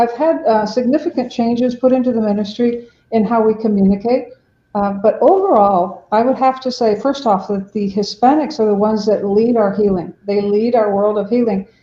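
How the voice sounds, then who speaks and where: A woman's voice: a little high, warm tone. A woman raised in Mexico, a ministry director and podcast guest, explaining her work in an earnest way and acting out what other people say. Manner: earnest, explanatory, acts out quotes. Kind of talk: podcast interview. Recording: dull, roomy remote audio.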